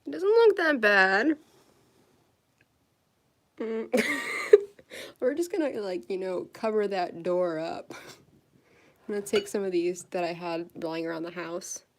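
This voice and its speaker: A woman's voice: mid-range voice, expressive, takes it slowly, long pauses. A nineteen-year-old woman vlogging at her desk, rambling casually with little laughs and fillers while she crafts. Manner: chatty, giggly, rambling with many fillers. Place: indoors at a desk.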